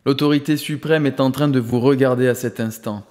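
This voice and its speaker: A man voicing a calm, commanding male spiritual master who speaks solemnly and firmly. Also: mid-range voice, in a large hall, natural voice. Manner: solemn, firm and measured.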